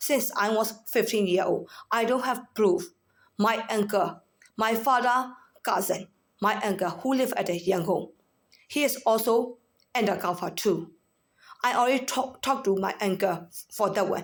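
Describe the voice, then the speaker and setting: A woman with a non-native accent speaks at a moderate pace with long, frequent pauses and a fairly high pitch. Her loudness stays very even, and her pitch varies in an ordinary way. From Myanmar. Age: 40s. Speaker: vlogger. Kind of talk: personal monologue. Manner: halting.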